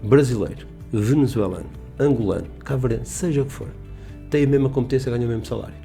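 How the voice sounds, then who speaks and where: A man's voice: medium pitch, fast talker, gravelly, mellow, faint music behind. A middle-aged man from Portugal, a business owner telling stories in a rambling, emphatic way on a radio interview. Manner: rambling, emphatic, with restarts and quoted dialogue. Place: radio studio.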